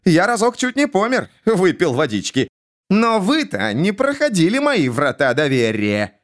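A man's voice: high voice, wildly swooping pitch, a little slow, pitched above the performer's own voice, heavily acted. A man doing a mad hissing jester. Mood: mocking. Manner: jumpy, hissing, bursts into shouts. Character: mad male jester, erratic, hissing, shouting.

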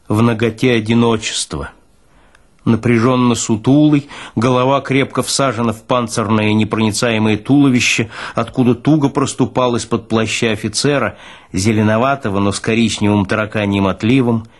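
A male actor narrates literary fiction. His voice sits at a medium pitch, and his reading is expressive, shaped as a performed audiobook.

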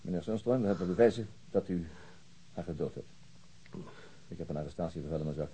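An actor in a radio drama playing a grave, weary police chief inspector, blunt and measured. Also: male voice, low-pitched, dark tone, slightly rough, poor audio. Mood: grave, accusing.

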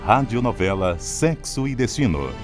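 A man's voice: medium pitch, very animated, moderate pace. A man with a Brazilian accent reading scripted credits as a radio drama announcer. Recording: studio voice over prominent music.

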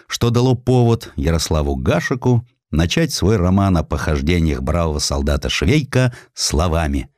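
A man reading historical prose as a dramatic, measured audiobook narrator. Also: low-pitched, darkish tone, no room sound, clean studio sound.

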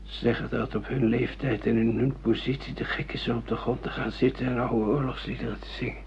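An actor playing a confused, compliant grown son in a radio drama, puzzled and obedient. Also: male voice, mid-range voice, little pitch movement, brisk, gravelly, a little mellow, natural voice. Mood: bewildered. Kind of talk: Dutch radio drama acting. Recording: dull radio recording, faint hum.

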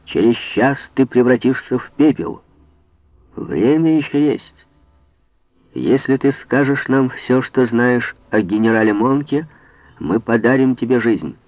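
A man voicing a blustering male army officer who shouts threats and turns meek, on a tinny, dry recording. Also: fairly low pitch, animated, a little slow, pauses often, dry recording. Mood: shouting threats.

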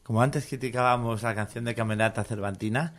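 A man's voice: mid-range voice, steady tone, a little fast, fairly bright tone. A man from hosting a comedy radio show, chatting casually and throwing in joking reactions.

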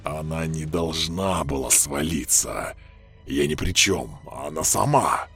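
A man voicing a mocking, scheming parasite voice that lives in a young man's head, speaking low and coarse. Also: takes it slowly, fairly bright tone, husky, soft background music, exaggerated voice. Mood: defensive.

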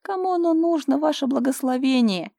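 Brief: woman playing a loud, menacing male usurper, harsh and overbearing, dry close sound. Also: fairly low pitch, fast talker, no echo, natural voice. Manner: shouting, threatening. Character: cruel domineering young man, menacing usurper.

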